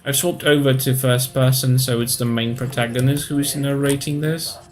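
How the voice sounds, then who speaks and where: A man in his thirties from Poland, speaking English with a Polish accent in a casual live-stream chat, pausing often to search for words. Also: medium pitch, steady tone, soft background music. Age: 30s.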